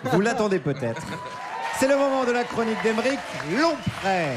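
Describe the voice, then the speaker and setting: Male radio host, ironic, laughing, slightly high voice, faint room ambience. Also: big pitch swings, moderate pace, crowd noise, background noise.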